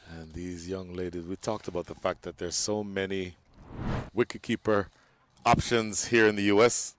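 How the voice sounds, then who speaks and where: A man giving live cricket commentary, animated and joking, his voice jumping up on the big moments. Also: low voice, moderate pace, noisy background.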